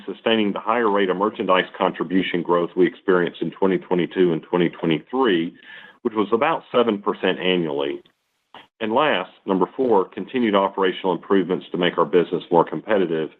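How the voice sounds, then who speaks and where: Low-voiced executive on a tinny phone line. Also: male voice. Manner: formal, measured, enumerating points. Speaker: company executive on earnings call. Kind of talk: scripted corporate presentation. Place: conference call line.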